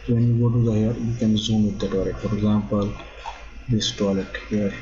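A man with a fairly low voice gives a screen-recorded software tutorial in halting. He stops often on "okay" as he walks through each step. The sound is dull and lo-fi, from a basic computer mic. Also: completely flat delivery, background noise. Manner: halting, repeats "okay" often, non-native phrasing. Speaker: drafting instructor.

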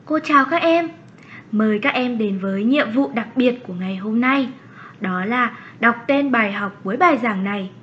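A woman playing a kind, encouraging young primary school teacher in a children's cartoon lesson, with measured delivery. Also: a little high, expressive, muffled recording, a little hiss or hum, natural voice.

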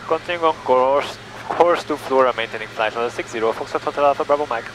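A young man talks through his flight from the cockpit of a small plane, calm and methodical. His headset mic picks up a steady engine drone behind him. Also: mid-range voice, fast, noisy background. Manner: calm, methodical, reads back clearances. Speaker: private pilot. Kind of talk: cockpit narration and radio calls. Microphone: headset boom mic.

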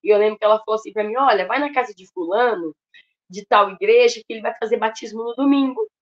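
A woman's voice: a little high, fast, lo-fi sound. A Brazilian woman telling an emotional personal testimony at a ministry, talking straight to her listeners. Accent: Brazilian Portuguese. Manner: emotional, addresses listeners directly as "gente".

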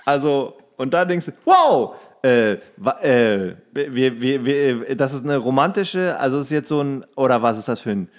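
A man's voice: mid-range voice, expressive, a little slow, hardly any pauses. Jokey man in casual podcast chat. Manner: jokey, teasing, colloquial. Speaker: podcast co-host and actor.

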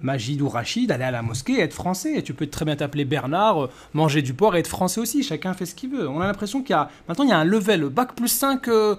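A man's voice: on the high side, big pitch swings, fast, hardly any pauses. A man in his thirties giving a conversational rebuttal as a video host, with mocking, rhetorical questioning. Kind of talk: conversational rebuttal commentary to camera.

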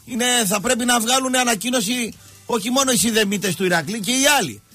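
A man's voice: very high voice, a bit bright, slightly rough, dry recording, soft background music. A man ranting as a football pundit on a radio show, stammering and slipping into a sing-song delivery. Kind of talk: heated radio sports rant.

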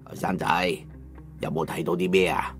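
Deep-voiced elderly Cantonese master craftsman. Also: little pitch movement, moderate pace, fairly bright tone, faint music behind. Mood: cautioning. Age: older. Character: elderly male master craftsman, patient, genial but unbending. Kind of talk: Cantonese audio drama acting.

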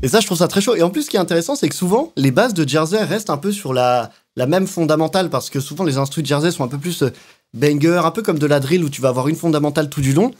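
A man giving a relaxed, slangy walkthrough of how he built a beat, now and then mouthing sounds and rhythms. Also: a little high, fast. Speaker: music producer. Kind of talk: casual beatmaking walkthrough. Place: home studio.

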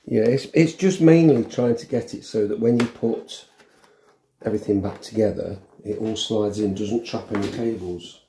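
This is a casual hands-on tutorial: a middle-aged man, a vlogger, shows how to fit a helmet intercom in a room at home. Thinking aloud as he works, he talks without a script in a fairly low, mellow, halting voice, with small clicks and background noise nearby.

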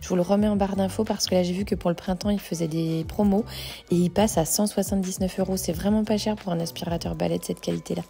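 A woman's voice: fairly low pitch, fairly even intonation, fast talker, gravelly, mellow. A woman in her thirties, a home cleaning vlogger, chatting casually and walking through her chores step by step. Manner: chatty, self-motivating, explains step by step. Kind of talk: casual vlog narration. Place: large modern home interior. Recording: echoey room, faint background music.

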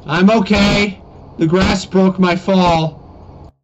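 Man doing an excitable, high-pitched cartoon boy. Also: very slow. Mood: defiant. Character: whiny, defiant, excitable schoolboy son. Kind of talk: amateur comedy animation voice-over. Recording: muffled, noisy cheap webcam mic.

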